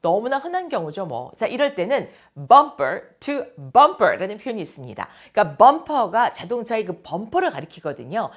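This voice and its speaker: A woman teaching an English lesson on radio, explaining patiently and repeating English phrases slowly for practice. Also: medium pitch, big pitch swings.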